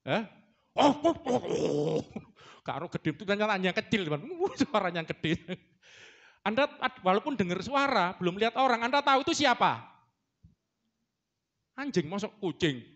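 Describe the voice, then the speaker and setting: Playful preacher, lively voice. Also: male voice, high-pitched, normal speed, pauses often. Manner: playful, joking with the congregation and imitating animal sounds. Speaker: pastor. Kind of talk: sermon. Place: church hall.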